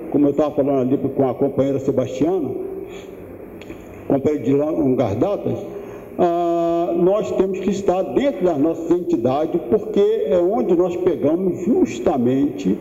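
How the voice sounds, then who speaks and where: A man in his seventies lectures slowly and thoughtfully in a voice that sits high yet sounds very dark and mellow. The sound is dull and lo-fi, with a long hall reverb around it. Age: 70s. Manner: unhurried, thoughtful, with pauses and restarts. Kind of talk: public lecture. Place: large lecture room.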